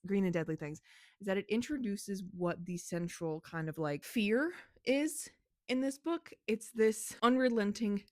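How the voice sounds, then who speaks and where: A woman vlogging about books and her writing in a casual, animated way, laughing and swearing often, her voice a little hoarse. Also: on the low side, no echo, studio quality. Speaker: book vlogger and author. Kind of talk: casual chatty vlog.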